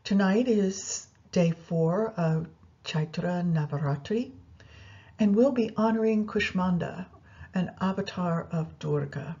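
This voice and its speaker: A woman leading a guided yoga nidra meditation, giving unhurried instructions directly to the listener. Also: on the low side, dark tone, husky, lo-fi sound.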